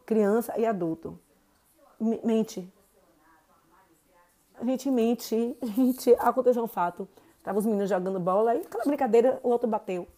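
Woman, 40s, Bahian accent; warm, slightly high voice; chatty podcast host talking straight to the audience. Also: moderate pace, long pauses. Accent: Bahian Portuguese, Salvador. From Brazil. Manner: chatty, keeps addressing listeners with "gente" and "né". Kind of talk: casual monologue podcast.

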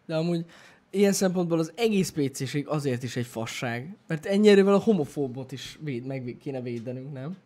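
A man's voice: on the high side, animated, dark tone. A man in a casual chat who mostly agrees with short replies and now and then adds a point.

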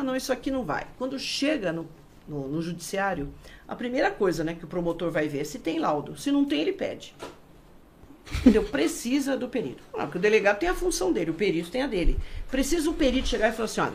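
Brazilian woman, middle-aged, lively pitch, gravelly, forensic expert, faint background noise. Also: quick pace. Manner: animated, explanatory, acts out quoted speech. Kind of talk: casual interview talk.

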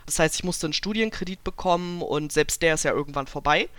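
A young woman co-hosting a podcast, talking casually and relaxed with an easy laugh. Her voice is smooth and clean, and it sits in a dry, close-sounding recording. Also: deep voice, quick pace, dry recording. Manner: relaxed, chatty, with frequent laughs. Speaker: podcast co-host.

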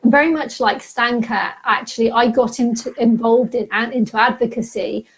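A woman in her forties answers as an interview guest over a video call. She speaks in an articulate, steady way, with a slightly high voice. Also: normal speed, poor audio. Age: 40s. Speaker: guest, patient advocate.

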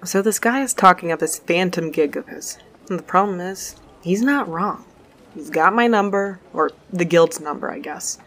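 An actress playing a wry, sharp-tongued, foul-mouthed space courier in an audio drama, talking in a sardonic, colloquial way. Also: female voice, lowish voice, normal speed. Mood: wry storytelling. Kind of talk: first-person audio drama narration and dialogue.

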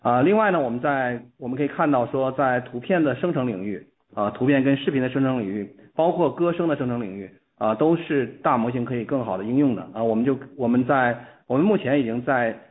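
Male executive on a narrow phone line. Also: medium pitch. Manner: halting, repeats and restarts phrases. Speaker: company executive answering analyst questions. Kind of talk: unscripted earnings call answer.

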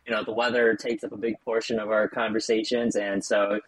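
A man's voice: on the low side, level tone, fairly quick, husky, no echo, poor audio. An American man hosting a podcast, chatting casually with lots of fillers and small talk. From United States. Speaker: podcast host. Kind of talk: casual interview chat. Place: Chicago.

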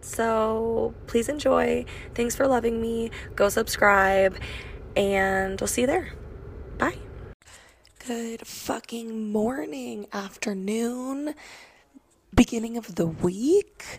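A raspy young woman hosting a casual solo podcast, chatty and swearing freely, recorded on a phone mic in her car. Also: on the high side, slow, a little hiss or hum. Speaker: podcast host. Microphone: phone microphone.

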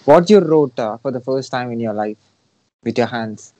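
A man's voice: mid-range voice, animated, moderate pace, dark tone, poor audio. Hesitant male interviewer. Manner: hesitant, many fillers.

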